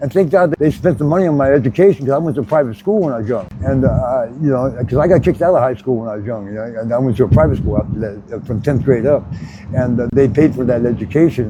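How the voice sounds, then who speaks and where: Very fast speech with lively intonation comes through over noticeable background noise. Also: man, medium pitch for a man. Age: 60s. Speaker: retired ironworker. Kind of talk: casual interview. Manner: halting.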